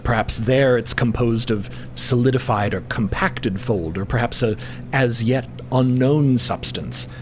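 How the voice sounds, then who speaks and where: A man playing a learned explorer in a fiction podcast, explaining grand theories in a measured way. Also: close to an everyday voice. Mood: absorbed, musing. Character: learned male explorer-scientist, absorbed in grand cosmic theories. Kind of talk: fiction podcast character acting. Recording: background ship ambience and rumble.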